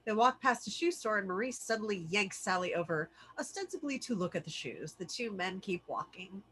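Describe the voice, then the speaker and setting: A woman's voice: medium pitch, expressive, fairly quick, noisy background. A woman narrating scripted stage directions for a table read.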